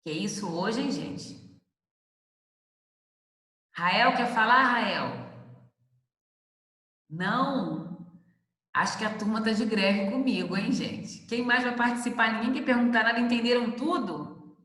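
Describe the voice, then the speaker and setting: A woman's voice: on the high side, takes it slowly, pauses often, fairly bright tone, reverberant, long reverb tail, poor audio. A woman lecturer giving a conversational class, addressing students by name and asking them questions. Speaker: university lecturer.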